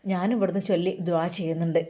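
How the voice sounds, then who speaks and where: A woman's voice: lowish voice, fairly even intonation, quick pace, warm tone, lightly acted. A woman voicing a loving older Muslim mother who fusses over her children and comforts them. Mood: comforting. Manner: doting, coaxing, blessing her children.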